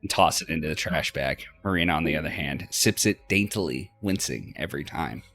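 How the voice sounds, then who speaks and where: A man reading a visual novel aloud as expressive first-person narration for a let's play. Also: rumbling low, brisk, faint music behind. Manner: acts out dialogue between narrated passages.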